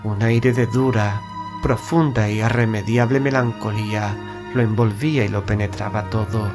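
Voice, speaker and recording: A man narrating a Gothic horror tale in a solemn, measured, literary style. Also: fairly low pitch, fairly even intonation. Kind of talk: scripted horror audiobook narration. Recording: prominent music bed under narration. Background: music.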